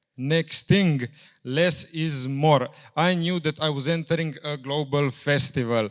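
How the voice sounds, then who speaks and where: In a dry, close recording with no echo, a man with a strong Slovenian accent speaks at a very slow pace with fairly even intonation. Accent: thick Slovenian. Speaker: filmmaker. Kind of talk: conference talk. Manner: halting, many fillers.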